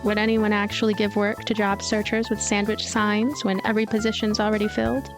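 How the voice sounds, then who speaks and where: A woman voicing a lonely, gloomy ghost girl who narrates her story in a deadpan, weary, introspective way. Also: medium pitch, brisk, over music, natural voice. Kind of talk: first-person story narration.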